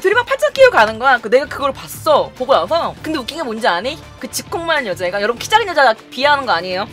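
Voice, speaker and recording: A young woman vlogger telling a story to camera in a casual, animated way, acting out quotes and laughing often. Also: high voice, very fast, faint music behind.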